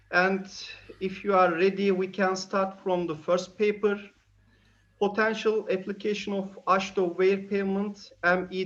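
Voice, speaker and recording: High-voiced Turkish man chairing, unhurried. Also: a bit bright. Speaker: session chair; academic, head of transportation engineering division. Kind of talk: formal conference moderation. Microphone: online video call. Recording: dull lo-fi online call audio.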